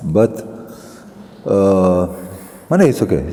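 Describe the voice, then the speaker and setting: Heard over noticeable background noise, the speaker has a Croatian accent and talks at a very slow pace with fairly even intonation. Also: man. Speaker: museum manager and artist. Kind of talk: panel discussion. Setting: round table with audience. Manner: halting, broken English.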